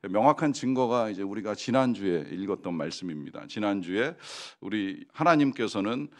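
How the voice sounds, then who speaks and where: A man's voice: lowish voice, lively intonation, normal speed. A man preaching a Sunday sermon in a church, talking conversationally with many fillers and asking the congregation questions. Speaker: pastor. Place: church sanctuary.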